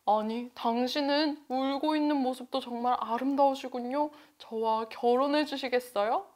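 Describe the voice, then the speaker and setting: A woman voicing fickle storybook husbands who propose with flattery and later complain politely. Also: high voice, normal speed, lightly acted. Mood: flattering. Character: smitten husbands, fickle grown men.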